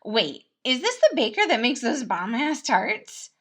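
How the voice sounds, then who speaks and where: A woman voicing a brash, gleeful, mischievous prince with a loud, teasing delivery in a storybook tale. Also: fairly high pitch, big pitch swings, measured pace, pitched above the performer's own voice, exaggerated voice. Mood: excited, mischievous.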